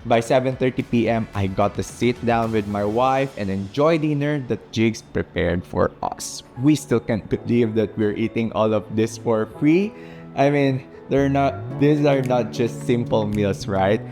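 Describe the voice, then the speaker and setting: A native Tagalog speaker with a Filipino accent narrates a storytime vlog in a mid-range, darkish voice at a measured pace. Background music plays behind him.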